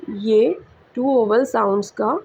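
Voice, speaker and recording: A woman with a Pakistani English accent teaching a school English lesson, speaking slowly and repeating example words. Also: a little high, creaky, darkish tone, husky. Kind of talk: slow classroom lecture mixing Hindi-Urdu and English. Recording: slightly muffled recording with faint background hiss.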